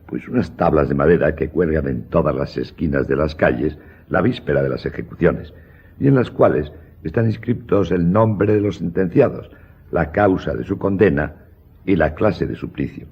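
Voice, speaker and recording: An actor playing an obliging, talkative innkeeper with a gravelly, husky voice in an audio drama. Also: male voice, extremely low pitch, muffled recording, heavily acted. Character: deferential, talkative Italian innkeeper serving wealthy guests. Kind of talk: Spanish audio drama acting.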